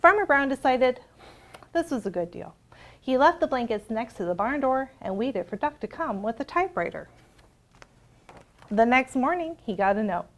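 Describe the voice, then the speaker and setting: A woman with a fairly high voice reads a picture book aloud for children. She narrates expressively, in the manner of a librarian at story time. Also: big pitch swings, moderate pace, long pauses.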